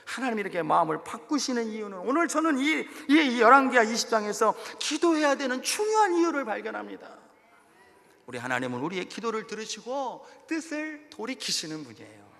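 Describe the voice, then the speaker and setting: A middle-aged man preaches in a church, his voice high and gravelly. He is animated, speaks straight to the congregation and acts out the people in his stories. A long church reverb follows each phrase. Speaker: pastor. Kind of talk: sermon. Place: church sanctuary.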